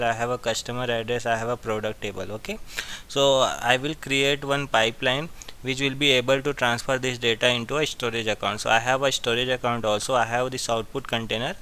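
A man giving a step-by-step software tutorial as an instructor, repeating his phrases as he goes. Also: mid-range voice, smooth. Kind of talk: screen-share software tutorial.

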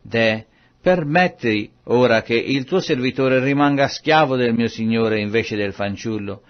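A man reading scripture aloud in a measured, solemn way. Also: medium pitch, muffled recording. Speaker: Bible reader.

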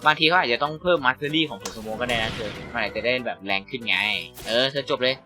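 A young man chatting casually and joking excitedly while playing a game with a friend, swearing freely. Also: mid-range voice, quick pace. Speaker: gaming YouTuber. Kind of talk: casual gameplay chat with a friend. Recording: faint game music behind.

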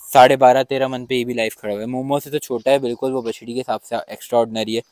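A young man talks excitedly into a handheld mic while he walks around an outdoor cattle farm, heaping praise on the animals and repeating blessings. His voice sounds close and dry, with hardly any room sound, and sits at a middle pitch. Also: quick pace, no room sound. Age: young adult. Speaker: vlogger host. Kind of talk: casual farm tour and interview.

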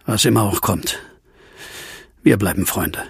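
A man acting in a German audio drama as an earnest, troubled former asylum inmate with a husky, gravelly voice. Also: on the low side, a little slow, no room sound, studio quality, full character voice. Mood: warm, resolute.

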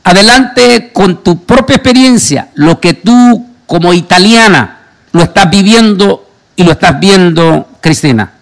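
A man's voice: sits high, expressive, unhurried, gravelly. A man who hosts a religious program as a pastor, introducing and questioning a guest emphatically. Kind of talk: religious broadcast interview.

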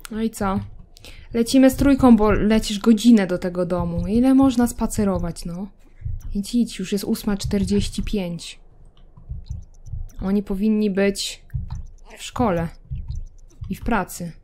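A woman's voice: medium pitch, unhurried, pauses often, warm tone. A young woman giving casual gameplay commentary, chatting to her game characters with self-mocking asides. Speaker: gameplay video creator.

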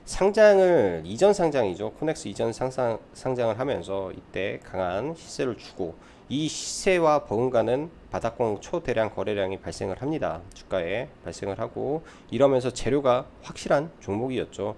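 Male trading adviser for a live market recap: explanatory, animated intonation, noticeable vocal fry. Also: medium pitch, normal speed, few pauses, slight background noise. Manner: explanatory, poses questions then answers them.

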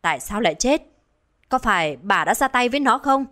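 A woman's voice: on the high side, animated, fairly quick, pushed and bright, pitched above the performer's own voice. Woman doing a frantic older village man. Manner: frantic, stammering repeats. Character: distraught older village man, master of the house. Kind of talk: dramatized horror storytelling.

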